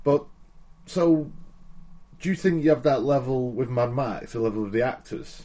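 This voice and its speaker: A man's dark, mellow, medium-pitched voice at a moderate pace, with ordinary pitch variation and long, frequent pauses. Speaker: podcast co-host. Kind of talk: casual chat.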